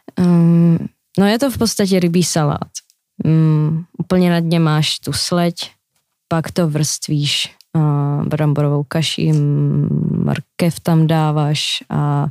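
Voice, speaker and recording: Very slowly and with fairly even intonation, a woman with a very deep, low pitch speaks in a dry, close sound with no echo, music in the background. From Ukraine. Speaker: university student. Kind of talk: casual chat. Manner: hesitant, with fillers.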